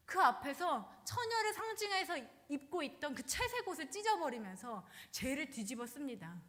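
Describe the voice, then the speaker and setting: A woman pastor telling a scripture story in a dramatic, animated sermon style, recorded in a church. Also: sits high. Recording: long church hall reverb.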